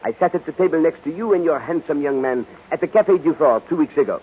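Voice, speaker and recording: An actor playing a courtly, observant detective in an old radio drama, with a French accent and a theatrical, musing way of talking. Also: male voice, on the high side, expressive, fast, a little hiss or hum, close to an everyday voice. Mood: gently probing. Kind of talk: 1940s American radio drama acting. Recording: tinny, narrow-band old radio recording.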